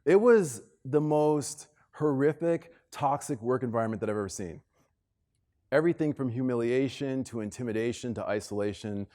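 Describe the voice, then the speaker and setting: A man's voice: mid-range voice, normal speed, dark tone. A middle-aged man with an American accent speaks as a keynote presenter at a conference. His delivery is conversational yet emphatic, built on personal storytelling and repeated phrases, in a mid-range voice. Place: live talk on stage to a room of listeners. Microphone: stage microphone.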